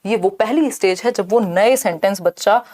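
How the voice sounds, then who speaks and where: A woman's voice: mid-range voice, moderate pace, darkish tone. Woman teaching an exam-prep lesson. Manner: explains step by step, mixing in English terms; asks rhetorical questions and checks in with "thik hai".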